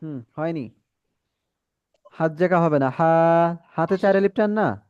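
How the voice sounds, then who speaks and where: A man with a Bangladeshi accent teaching Quran reading in an online class, patiently correcting students and modelling drawn-out syllables. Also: fairly high pitch, smooth, dry recording, muffled recording.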